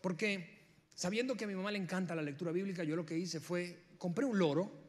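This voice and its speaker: A man's voice: high voice, brisk, in a large hall, natural voice. A man voicing a competitive grown son bragging about his gift, in a sermon anecdote. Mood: boastful. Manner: boastful.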